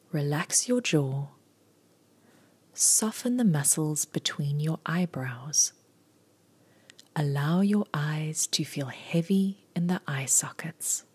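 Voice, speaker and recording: Breathy, near-whispering woman guiding meditation. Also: low voice, darkish tone. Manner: soothing, unhurried instruction with short phrases. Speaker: meditation guide. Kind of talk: guided body scan meditation, scripted.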